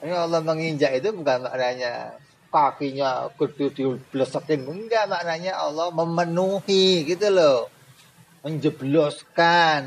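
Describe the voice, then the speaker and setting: A man teaching Islamic theology, animated, with rhetorical questions and joking asides. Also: on the high side, a little hiss or hum, low-quality recording. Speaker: religious teacher.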